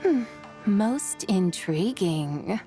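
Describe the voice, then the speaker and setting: An actress playing a proud, teasing immortal white horse spirit in a video game, with theatrical, archly formal delivery. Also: female voice, medium pitch, very animated, drawn-out words, warm tone, heavily acted. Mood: intrigued, guarded. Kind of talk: scripted video game voice acting. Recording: music under the voice.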